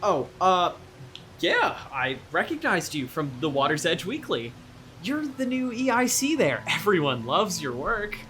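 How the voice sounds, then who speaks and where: A woman playing a casual, blunt small-town local in an audio drama, speaking in a halting, animated way. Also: lowish voice, a little hiss or hum. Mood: apologetic, friendly. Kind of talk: audio drama, naturalistic dialogue.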